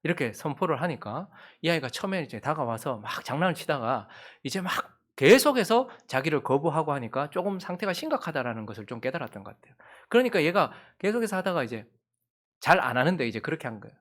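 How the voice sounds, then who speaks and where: A man's voice: fairly high pitch, very animated, quick pace, a bit bright. A middle-aged man preaching a Sunday sermon as pastor, telling a family story and leading the congregation in reading scripture. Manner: storytelling, acts out the quotes, leads congregational reading. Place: church sanctuary.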